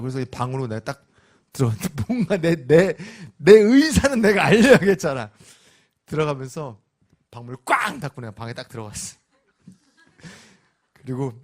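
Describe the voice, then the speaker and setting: Middle-aged man preaching, lively storyteller, pitch swings a lot. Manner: lively storytelling, animated voices. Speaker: pastor. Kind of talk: sermon.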